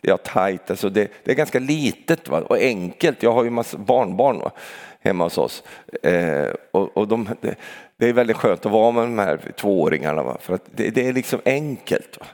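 An older man gives a chatty sermon in an animated, swinging voice that rises and falls a lot. He keeps tossing out little questioning tags for agreement and laughs easily. His voice carries a long reverb, as if from a church hall. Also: fairly low pitch. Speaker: preacher. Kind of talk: conversational sermon.

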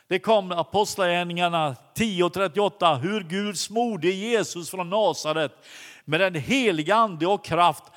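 A man preaching a sermon, telling a story with many halting restarts. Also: high-pitched, a bit bright. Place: church hall. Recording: long hall reverb.

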